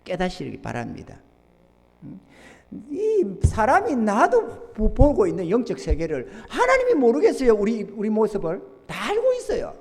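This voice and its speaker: A man, a pastor, preaching a sermon, swinging between loud emphasis and low murmured asides. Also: wildly swooping pitch, normal speed. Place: church sanctuary. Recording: long church reverb.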